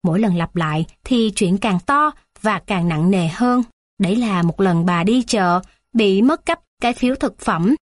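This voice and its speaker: A woman narrating a children's story in a steady, plain reading voice. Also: medium pitch, unhurried, no echo.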